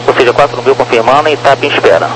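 A man's voice: mid-range voice, fairly even intonation, rapid-fire. Brazilian male air traffic controller over noisy radio. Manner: directive, repeats key phrases. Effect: aircraft radio transmission. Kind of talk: aviation radio communication, clipped procedural instructions.

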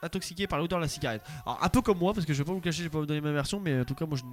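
A man's voice: fairly high pitch, rapid-fire. A man hosting a casual radio call-in show, joking, teasing and rambling between listener messages.

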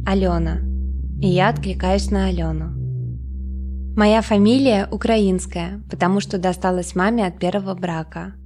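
A woman reading an audiobook in a calm, measured first-person narration. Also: mid-range voice.

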